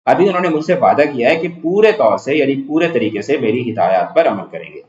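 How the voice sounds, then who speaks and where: A man reading as a courteous calm doctor. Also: mid-range voice, close to an everyday voice. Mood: reassuring. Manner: reassuring, formal and courteous. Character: calm polite male family doctor. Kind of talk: reading a play aloud in class. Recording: echoey room, dull lo-fi sound.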